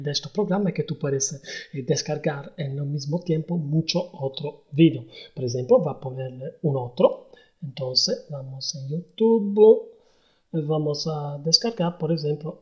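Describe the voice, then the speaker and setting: A man giving a hesitant step-by-step software tutorial, with many pauses and fillers. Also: fairly high pitch. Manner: hesitant, many ums and ers. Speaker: tutorial host. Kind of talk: screen-recorded software tutorial. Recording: dull lo-fi voice-over.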